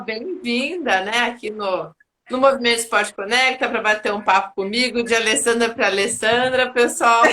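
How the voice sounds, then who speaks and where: A woman's voice: on the high side, sharp tone, slight background noise. A Brazilian woman hosting a casual live sports chat, chatty and playful, laughing easily. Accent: Brazilian Portuguese. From Brazil, raised in Paraná.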